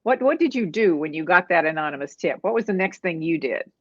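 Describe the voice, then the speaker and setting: A woman's voice: on the low side, expressive, brisk, a bit bright, no echo, lo-fi sound. A woman hosting an interview, asking questions curiously and restarting them as she goes. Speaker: host.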